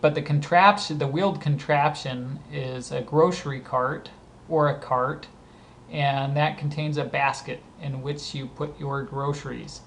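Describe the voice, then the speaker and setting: A man with a Southern California accent and a slightly scratchy voice, pitched a bit higher than most men. He reads words off a list one by one and chats easily about how he would use them. A faint hiss sits behind him. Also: steady tone, a little slow, vocal fry. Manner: reads each word, then explains usage conversationally. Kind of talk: casual accent-tag word list.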